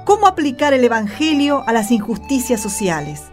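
A woman's voice: on the high side, very animated, normal speed, a little mellow, soft background music. A woman with an Argentine accent, presenting on a radio drama in scripted, explanatory dialogue.

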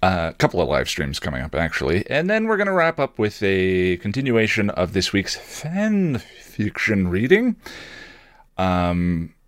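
A man's voice: sits low, wildly swooping pitch, unhurried, no room sound, studio quality. A man hosting a casual solo podcast, talking in a digressive, self-deprecating way and often correcting himself mid-thought. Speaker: podcast host.

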